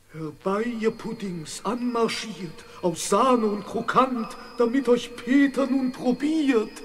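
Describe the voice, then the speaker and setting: A put-on character voice sits at a fairly high pitch and moves at a fairly slow pace. Clear background noise runs underneath. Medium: audio drama. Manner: rhyming, sing-song.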